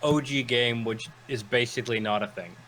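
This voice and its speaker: A podcast co-host on a casual gaming show rambles through stories, animatedly acting out quotes as he chats. His voice is medium-pitched at normal speed, with slight background noise.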